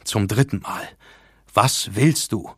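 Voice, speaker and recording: A man voicing a shaken, bitter professor who croaks and falters. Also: lowish voice, slow, dry recording, clean studio sound.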